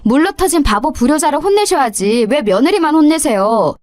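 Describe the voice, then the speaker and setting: A woman's voice: high-pitched, lively intonation, a little fast, a little mellow, no room sound, clean studio sound, voice pushed up. A woman voicing a young, insolent daughter-in-law who talks back with sarcastic, mock-polite cruelty, for a radio story drama.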